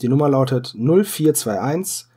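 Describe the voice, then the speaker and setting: A man hosting a podcast, speaking in a conversational way with a slightly husky voice. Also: mid-range voice, expressive, moderate pace, warm tone. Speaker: podcast host. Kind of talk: casual podcast chat and announcements.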